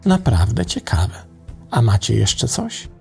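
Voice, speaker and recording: A man reads a glowing traveler from the stars in a calm, matter-of-fact voice with a gravelly edge. The traveler stays unhurried, as in a spoken parable. Faint music sits under the voice. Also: mid-range voice, full character voice. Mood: dry. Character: calm, curious male space traveler of light.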